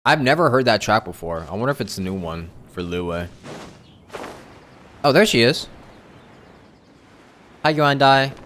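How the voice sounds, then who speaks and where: A man's voice: mid-range voice, very animated, measured pace, long pauses, fairly bright tone, slight background noise. A man livestreaming a game, talking casually and thinking aloud, often repeating his phrases as he rambles. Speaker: live game streamer. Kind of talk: casual livestream chat while playing a game. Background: game music.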